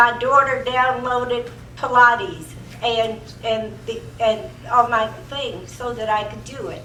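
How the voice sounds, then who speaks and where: Amid audible room echo and noticeable background noise, a woman speaks at a high pitch and a very slow pace. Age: 60s. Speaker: conference speaker and author. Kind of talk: motivational talk.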